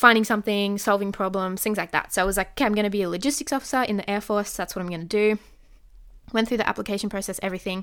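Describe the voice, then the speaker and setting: At a very fast pace, the speaker talks in an Australian accent and an animated tone, on a very clean recording with a silent background. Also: woman, medium pitch for a woman. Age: 20s. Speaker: podcast host and small business owner. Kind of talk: casual solo monologue.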